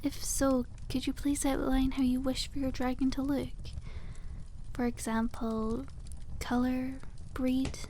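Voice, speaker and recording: A woman voicing a cute, kindly witch shopkeeper in an ASMR roleplay, speaking softly and teasingly with old-fashioned courtesy. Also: high voice, little pitch movement, a little slow, slight background noise. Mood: gentle, attentive. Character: cute, coy, kindly witch selling dragon eggs. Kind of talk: ASMR roleplay, scripted and addressed to listener.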